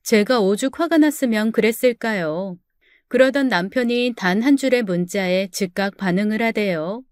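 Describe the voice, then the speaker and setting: A woman's voice: mid-range voice, normal speed, no echo, studio quality. A woman narrating her own story in a confiding, first-person storytelling manner.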